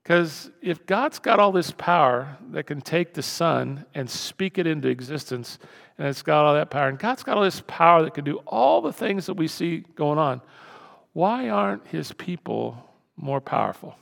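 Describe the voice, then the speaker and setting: A male pastor preaching a sermon to his church, animated and repetitive, swinging from loud emphasis to hushed tones. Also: on the high side, moderate pace, vocal fry. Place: church sanctuary. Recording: reverberant church hall.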